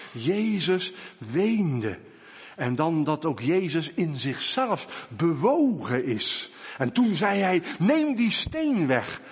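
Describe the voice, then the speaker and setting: A man preaching a sermon in slow, emphatic delivery, now and then rising to loud calls. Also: sits high, breathy edge, big-room sound.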